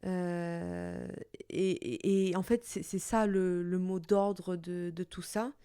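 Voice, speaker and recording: A young woman from Portugal with an Italian accent, Italian being her first language, speaking in a reflective personal podcast monologue, thoughtful and often pausing to search for her words. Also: on the low side, level tone, vocal fry, warm tone, clean tone, no room sound, clean studio sound. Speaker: podcast host.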